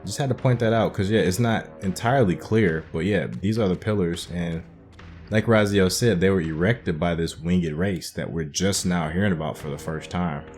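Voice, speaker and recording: A man's voice: deep voice, moderate pace, darkish tone, soft background music. A man hosting a gaming playthrough, commenting casually and informally as he thinks aloud and explains things. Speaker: gaming video host.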